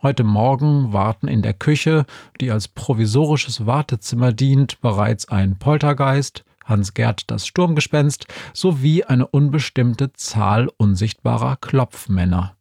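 Gravelly male audiobook narrator. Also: medium pitch, unhurried, a little mellow, no echo, clean studio sound.

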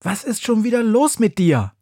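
A shrill, hissing witch who scolds and bosses everyone around in a storybook reading, as a male narrator puts her on. The voice sits far above a man's own register, with a husky, breathy edge and a dry, close sound. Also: expressive, a little slow, a little mellow, dry recording. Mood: scolding. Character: bossy little female witch, scolding older sister.

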